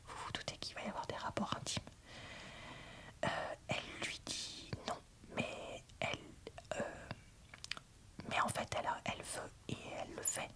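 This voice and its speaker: Whispering woman, ASMR style. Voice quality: breathy, unvoiced whisper. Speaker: book reviewer. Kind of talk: ASMR whispered book reading and review.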